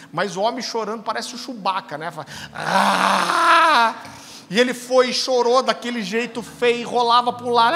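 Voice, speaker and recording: A man's voice: sits high, a bit bright. A man, a pastor telling a story in a sermon and acting out the dialogue with animation. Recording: long hall reverb with faint music.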